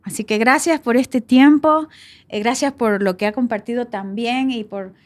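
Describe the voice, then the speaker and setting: A woman's voice: fairly high pitch, normal speed. A woman co-hosting a Christian podcast, speaking earnestly and reflectively. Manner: earnest, reflective, often quoting God in voiced lines. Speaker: podcast co-host.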